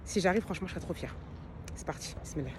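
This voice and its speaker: Excited young woman vlogging outdoors. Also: on the low side, very fast. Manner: excited, cheerful and self-encouraging, with casual slang. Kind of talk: casual vlog chat. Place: outdoors on a run. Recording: outdoor noise clearly audible.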